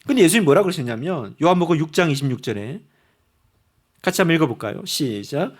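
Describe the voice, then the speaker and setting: A man's voice: a little high, animated, fast talker. A male pastor giving a sermon in a church, telling a story with animation and building to fervent exhortation. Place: church sanctuary.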